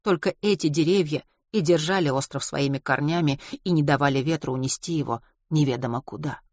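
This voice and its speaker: Narrator reads young woman, confiding, quiet, close and dry. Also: deep voice, a little fast, no room sound. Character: young woman recalling a harsh island winter.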